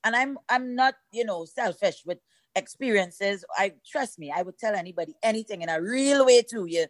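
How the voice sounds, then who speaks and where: A middle-aged woman, a soca singer, chatting in an interview and telling lively stories. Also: mid-range voice, moderate pace, dry recording. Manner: lively storyteller, switches into Spanish and French. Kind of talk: casual interview chat.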